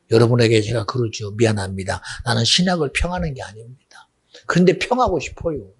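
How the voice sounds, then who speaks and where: A man with a husky voice on the low side preaches a sermon as pastor. He swings between loud exclamations and hushed, almost whispered asides.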